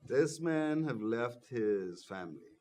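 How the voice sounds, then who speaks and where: A man's voice: mid-range voice, animated, slow, darkish tone. A young man born in Guyana, a political party coordinator, speaking earnestly as a TV guest and saying "you know" often. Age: young adult. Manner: earnest, repeats "you know", grows passionate. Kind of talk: interview answers.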